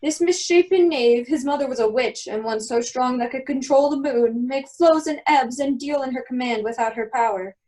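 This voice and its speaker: Woman as stately wronged magician duke, really high voice, shakespeare radio play, distant from mic. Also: moderate pace, few pauses, warm tone, natural voice. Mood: accusing, stern. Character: Prospero, commanding wronged duke and magician, forgiving. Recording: distant from the microphone.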